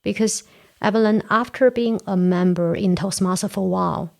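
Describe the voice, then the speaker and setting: A woman's voice: mid-range voice, normal speed, vocal fry. A woman in her forties from China, whose first language is Korean, speaking earnestly as an interview guest. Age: 40s. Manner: earnest, explains step by step. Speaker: podcast guest, Toastmasters area director. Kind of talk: casual interview chat.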